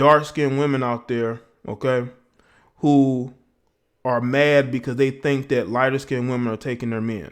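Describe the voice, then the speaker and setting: This man has a Southern US accent and a fairly high pitch, speaking at a moderate pace in a very clean recording with a silent background. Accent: Southern way of talking. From US South. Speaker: YouTube livestreamer. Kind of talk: live stream chat. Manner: unscripted, off the cuff; repetitive filler, verbal stumbles.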